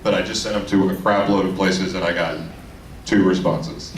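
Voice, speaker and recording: A man speaking casually as a voice actor on a panel, telling anecdotes and giving advice in an animated way. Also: low voice, normal speed. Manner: animated storyteller who acts out quoted lines. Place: convention panel room. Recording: echoey room, distant mic, clear background noise.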